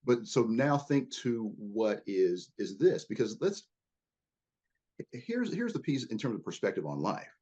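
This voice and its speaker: A man with a lowish, husky voice talks earnestly as a podcast guest, circling back over his words as he builds each point. The audio sounds a bit muffled and lo-fi. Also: very animated, a little slow, darkish tone. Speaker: guest, leadership consultant. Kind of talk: conversational podcast interview.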